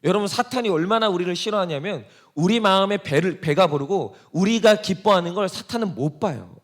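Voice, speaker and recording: A man's voice: sits high, expressive, fairly quick. A male pastor preaching a sermon, asking the congregation rhetorical questions and acting out quoted voices. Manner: acts out Satan's taunting voice in quotes.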